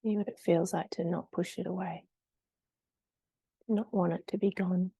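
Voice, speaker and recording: A woman leading a guided meditation in a gentle, soothing, unhurried way with long pauses between short phrases. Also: lowish voice, fairly even intonation, breathy edge, dry recording.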